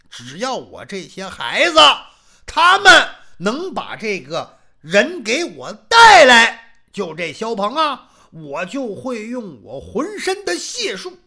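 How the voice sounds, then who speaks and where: A man's voice: sits high, bright, forceful tone, heavily acted. A man voicing a feisty 94-year-old male Taoist doctor who boasts proudly and talks back defiantly.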